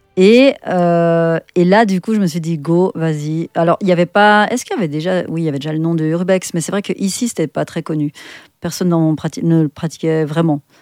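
In a very clean recording with a silent background and a dry, close sound with no echo, a woman with a Swiss accent talks at a fairly quick pace, her fairly low pitch moving with ordinary variation. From Switzerland, Vaud (Lake Geneva coast). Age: 50s. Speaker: urban explorer and photographer. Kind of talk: casual interview.

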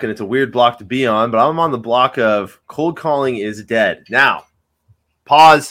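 This is a man with an ordinary speaking voice and medium pitch. He moves at a moderate pace with lively intonation. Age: 30s. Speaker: sales consultant and cold caller. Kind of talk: interview.

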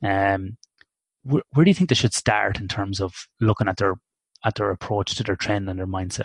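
Somewhat breathy and fairly low-pitched, a man talks at a fairly quick pace with ordinary pitch variation, his voice dry and close with no echo against a quiet background. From Australia. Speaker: podcast host. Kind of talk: interview.

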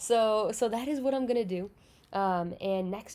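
On a very clean recording with a silent background, a woman speaks in a dark, mellow tone, fairly high in pitch with ordinary variation. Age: 20s. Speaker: podcast host. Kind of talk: solo monologue. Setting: at home on her bed. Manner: casual, filler-heavy.

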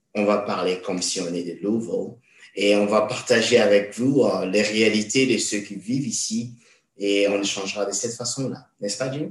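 A man speaks at a moderate pace in a fairly low pitch with fairly even intonation, and room echo is audible. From Congo. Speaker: podcast host and political science lecturer. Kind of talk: casual chat.

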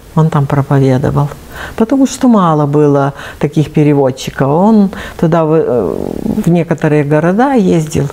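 With noticeable background noise behind her, a woman with a very deep, low pitch speaks at a moderate pace with lively intonation, very even loudness, and long, frequent pauses. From Ukraine, Transcarpathia. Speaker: retired churchgoer sharing prayer story. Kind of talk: testimony interview.

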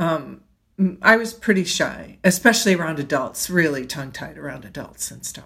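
A woman with an American accent has a bright, sharp tone with vocal fry. Her intonation is lively, and her loudness swings widely. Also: moderate pace. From Oak Park, Illinois. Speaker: stage actor. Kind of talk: interview.

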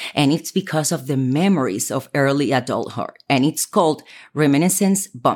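In a very clean recording with a silent background, a woman with a Spanish accent speaks at a moderate pace in a very deep, low pitch with lively intonation. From Puerto Rico. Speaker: podcast host. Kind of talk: casual solo talk. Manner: animated, laughing often.

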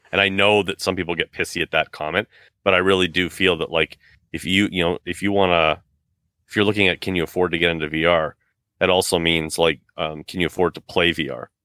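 A man's very deep, low voice in a flat monotone at a very fast pace. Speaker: gaming podcast co-host. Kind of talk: casual chat.

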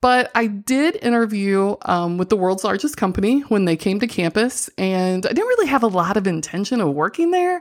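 With an American accent, a woman speaks at a moderate pace and medium pitch, her intonation lively and her pauses hardly any, on a very clean recording with a silent background. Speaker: podcast host and college professor. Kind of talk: casual monologue. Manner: conversational, many fillers.

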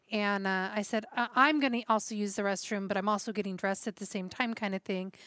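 The recording is very clean, with a silent background. A woman speaks in an unremarkable speaking voice at a medium pitch. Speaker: podcast co-host. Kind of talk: casual chat.

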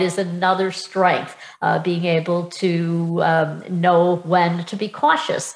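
Over noticeable background noise, a woman talks at a medium pitch and a fairly slow pace. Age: 70s. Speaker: health coach trainer. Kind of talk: interview. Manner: animated.

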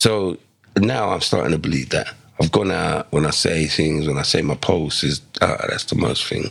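Lively intonation marks speech that moves at a moderate speed. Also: man, very deep, low pitch for a man. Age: 60s. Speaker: former professional footballer. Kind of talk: interview.

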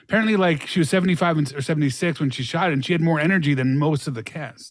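Fairly high-pitched, an unremarkable speaking voice from a man, with ordinary rise and fall. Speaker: film historian. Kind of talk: casual chat. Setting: video call.

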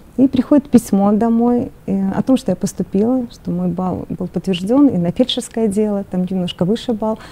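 A woman's fairly high-pitched voice at a moderate pace, with ordinary pitch variation and noticeable background noise. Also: hardly any pauses. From Belarus, Pinsk. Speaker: pastor's wife. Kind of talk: testimony. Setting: studio.

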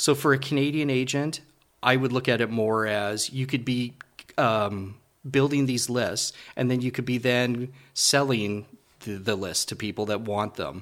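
A man with a normal speaking voice, medium in pitch, at a moderate pace and with fairly even intonation. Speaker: real estate investor and admin. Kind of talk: casual interview chat.

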